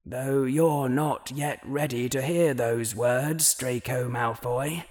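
A man's voice: medium pitch, fairly even intonation, takes it slowly, a little mellow, dry recording, pitched above the performer's own voice. A man voicing a precocious, earnest boy who explains science with barely hidden pride. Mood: proud, explaining. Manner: earnest lecturing with proud tremble.

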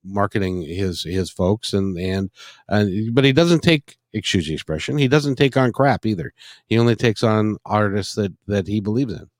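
A man's voice: fairly low pitch, moderate pace, no echo. Effusive, rambling man in a dry recording. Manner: effusive, rambling, repeats phrases. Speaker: interview host. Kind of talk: casual music interview.

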